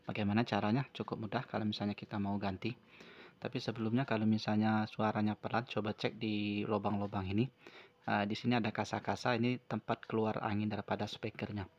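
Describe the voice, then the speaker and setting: Male tutorial presenter, lowish voice, repetitive hands-on explaining, muffled recording. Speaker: phone repair tutorial presenter. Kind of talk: unscripted hands-on tutorial narration. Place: at a wooden table indoors.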